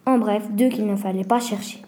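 A woman's voice: medium pitch, fairly even intonation, a little fast, warm tone. A woman reading a children's adventure story aloud as narrator. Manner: plain storytelling.

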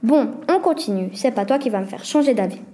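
A woman voicing a bold, fearless schoolgirl who teases her friend and shouts with excitement. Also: a little high, fairly quick, a little hiss or hum, close to an everyday voice. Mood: bossy. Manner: mocking, excited.

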